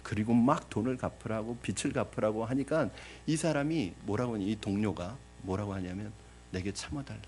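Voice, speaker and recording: A man's voice: lowish voice, brisk, few pauses, darkish tone, slight background noise. Man preaching with rhetorical questions. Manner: addresses the congregation with rhetorical questions; acts out the parable's voices dramatically. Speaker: pastor. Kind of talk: sermon.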